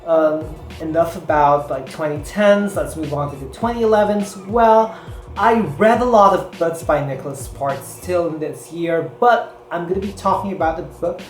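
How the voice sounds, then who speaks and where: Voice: medium pitch, moderate pace. Chatty book vlogger in echoey room. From Philippines. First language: Filipino. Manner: chatty, rambling, heavy use of "you know" and "like". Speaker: book reviewer. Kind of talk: casual chat to camera. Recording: echoey room with background music.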